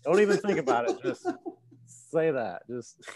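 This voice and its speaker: Lively man chatting on a podcast. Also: a little high, normal speed, crowd noise. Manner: laughs often, animated storytelling. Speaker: podcast co-host. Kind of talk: casual chat.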